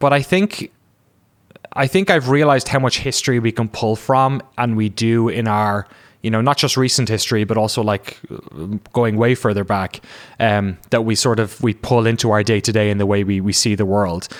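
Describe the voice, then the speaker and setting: With an Irish accent, a man speaks at a moderate pace and medium pitch, with ordinary pitch variation and very even loudness, on a very clean recording with a silent background. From southeast Ireland. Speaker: documentary producer on game development. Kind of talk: interview conversation. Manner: halting, with many restarts and fillers.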